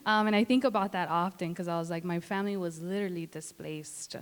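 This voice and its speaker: A young woman with a smooth, resonant voice, a little low for a woman, speaking on a panel. Her words echo through a large hall. She talks reflectively and casually, leaning on filler words. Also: a little fast, darkish tone. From Los Angeles. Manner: reflective, heavy use of "like" and "you know". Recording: reverberant hall.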